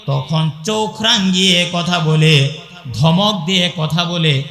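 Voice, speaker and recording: A man with a Bangladeshi Bengali accent preaching a waz sermon, chanting Arabic verses in a slow singsong and calling out questions to the crowd. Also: sits high, vocal fry, sharp tone, faint music behind. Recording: echoey hall with long reverb.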